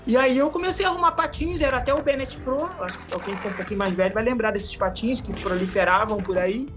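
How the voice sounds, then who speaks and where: A man from the Rio de Janeiro area, close to fifty, speaks with a local Brazilian accent. He tells stories as a podcast guest in a loose, chatty way, drawing out his words and laughing often. Faint music plays under his voice. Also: very high voice. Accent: Rio de Janeiro Brazilian Portuguese. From Araruama, Rio de Janeiro state, Brazil. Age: 40s. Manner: relaxed, laughs often, drawn-out slang-filled storytelling. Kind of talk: casual storytelling interview.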